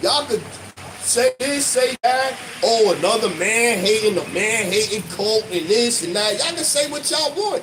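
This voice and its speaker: A man is shouting loudly with very wide pitch swings. He keeps a moderate pace over noticeable background noise. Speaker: street preacher. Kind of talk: street preaching. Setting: outdoors on the street. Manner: loud, yelling; halting with repetitions.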